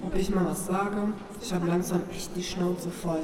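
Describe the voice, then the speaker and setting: A woman's voice: fairly low pitch, fairly even intonation, normal speed, a crowd in the background, natural voice. A woman playing a fed-up, anxious trans woman in a radio play, muttering slangy, exasperated thoughts to herself. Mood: annoyed. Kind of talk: inner-monologue radio play, colloquial. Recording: roomy, distant, music behind.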